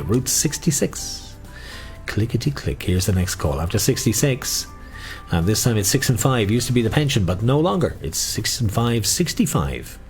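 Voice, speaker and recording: A middle-aged Irish bingo caller with a medium-pitched voice calls out numbers in a sing-song way, repeating them and mixing in casual chat.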